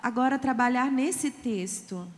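A woman in her thirties interpreting a sermon phrase by phrase into a handheld microphone, quick and fluent, in a large church arena. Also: high voice, a little hiss or hum. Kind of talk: live consecutive interpretation of a sermon. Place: large church arena before a crowd of thousands. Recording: long reverb of a large hall.

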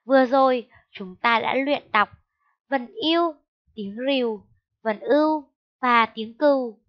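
A woman teaching a first-grade lesson, speaking slowly and clearly and spelling out syllables in a raised, sing-song voice. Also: on the high side. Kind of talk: slow, clear classroom lesson. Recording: dull lo-fi sound.

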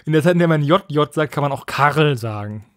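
A male podcast co-host chats casually. His voice is a little higher than most men's, recorded dry with no room sound. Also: animated, brisk, no room sound. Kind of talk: casual chat.

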